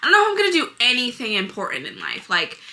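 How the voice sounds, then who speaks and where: A woman talks over noticeable background noise. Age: 20s. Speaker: lifestyle vlogger. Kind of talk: casual vlog talk to camera. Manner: casual, filler-heavy.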